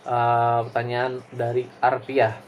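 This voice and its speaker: Male lecturer, casual digressive delivery, mid pitch, faint noise floor. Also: monotone, takes it slowly, lo-fi sound. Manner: casual and digressive, many fillers and tag questions. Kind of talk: recorded class explanation.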